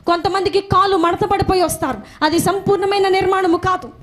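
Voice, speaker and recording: A woman's voice: extremely high pitch, steady tone, a little fast. A woman preaching a sermon emphatically, repeating phrases for stress.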